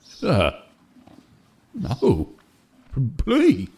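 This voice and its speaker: High-pitched, folksy, deferential servant. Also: male voice, huge pitch swings, extremely slow, mellow, breathy edge, heavily acted. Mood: pleading, upset. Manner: folksy, stammering, pleading, ungrammatical. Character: eager, kindly, deferential male servant. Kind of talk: audio drama character acting.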